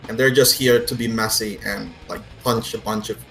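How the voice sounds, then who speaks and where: A man's voice: on the low side, fairly even intonation, moderate pace, a bit bright. A man running a tabletop role-playing game as game master, narrating in a casual, sweary way. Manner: casual, profane. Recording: roomy echo, faint music behind.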